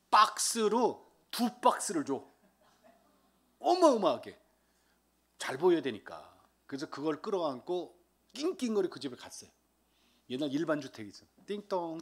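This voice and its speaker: A man's voice: medium pitch, husky. A man in his sixties from Seoul giving a humorous church testimony, telling the story with life and acting out the voices of others. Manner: lively storyteller, acts out quoted voices. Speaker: lay deacon giving testimony. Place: church service.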